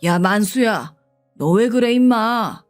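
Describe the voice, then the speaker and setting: A woman's voice: fairly high pitch, lively intonation, takes it slowly. A woman voicing an older male company chairman who speaks in a commanding yet familiar way, over faint background music.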